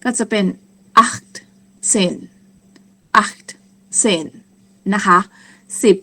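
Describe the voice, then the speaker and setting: A woman teaching a lesson on German numbers, speaking slowly and patiently and repeating each word several times. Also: mid-range voice, sharp tone. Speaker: language teacher.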